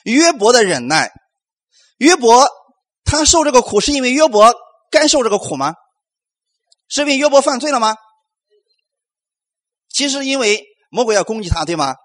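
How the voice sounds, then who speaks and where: A man delivers a sermon as pastor, his voice pitched high and swinging widely between bright peaks and low drops. He preaches with animation, briefly acting out the voices of people he quotes. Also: sing-song, moderate pace, long pauses.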